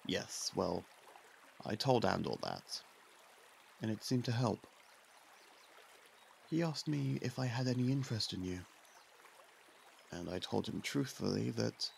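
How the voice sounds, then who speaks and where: This ASMR roleplay features a man as a young royal prince, his low voice rough with gravel and vocal fry. The performance is heavily acted, expressive and unhurried, with frequent pauses; the mood is gentle and confiding as he speaks softly, candidly and persuasively, sometimes in whispers. Faint hiss underlies it.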